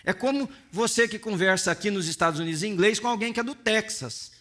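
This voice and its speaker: A man's voice: high voice, quick pace, fairly bright tone. A middle-aged male pastor preaching a sermon in an impassioned, dramatic way, acting out scenes as he goes.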